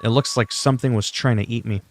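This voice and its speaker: A man's voice: medium pitch, fairly even intonation, fast talker, a little hiss or hum. A man whose first language is French, chatting casually with viewers on a gaming livestream, opinionated and talkative. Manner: chatty, opinionated, talks to chat. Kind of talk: casual livestream chat while playing.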